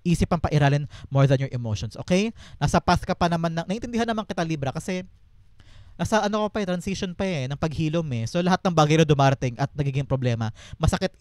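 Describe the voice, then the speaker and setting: Filipino guy reading tarot, fairly high voice, dry close sound, earnest and emphatic, repeats stuff. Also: expressive, fast, no room sound. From Philippines. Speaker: tarot reader.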